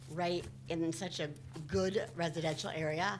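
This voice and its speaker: A woman with a fairly low voice speaks in a space with audible room echo. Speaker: resident giving public comment. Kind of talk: public comment at meeting. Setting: village board meeting. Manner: loud.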